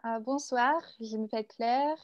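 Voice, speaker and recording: A young American woman introduces herself on a video call, soft and hesitant. She speaks slowly. The call audio is dull and very dry. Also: fairly high pitch, fairly even intonation, no room sound. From United States. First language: English. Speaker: guest, English teacher. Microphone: video call, earphone headset.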